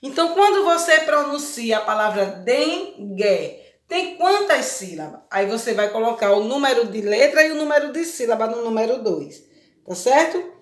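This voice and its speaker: Brazilian woman teacher, higher voice, patient with small kids, echoey room recording. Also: lively intonation, normal speed. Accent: Brazilian Portuguese. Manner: patient, explains step by step with many check questions. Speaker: primary school teacher. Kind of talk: recorded remote lesson for children.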